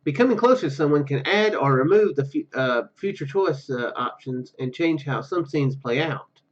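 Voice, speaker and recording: A man hosting a gaming video, commenting casually and reading game text aloud in a halting, rambling way. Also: on the high side, lively intonation, highs cut off.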